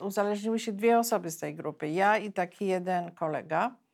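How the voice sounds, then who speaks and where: With a normal speaking voice, a woman talks at a moderate pace and medium pitch in a very clean recording with a silent background. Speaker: writer and former journalist. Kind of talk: interview conversation.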